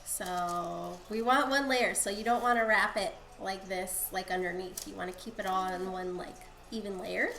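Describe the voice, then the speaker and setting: Sounding nasal and stuffed up from a cold, this woman chats through a relaxed live-stream dyeing lesson from home, wandering off in long explanations. Her medium-pitched voice is creaky yet fairly bright, moving at a moderate pace with even intonation and few pauses. An echo fills the room over a faint background hiss.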